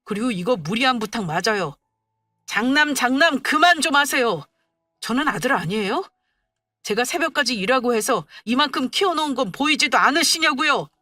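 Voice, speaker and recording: A woman's voice: high-pitched, lively intonation, normal speed, sharp tone, dry recording, clean studio sound, faint music behind, heavily acted. A woman voicing an overworked grown son confronting his mother, firm and exasperated, in a dramatized story reading.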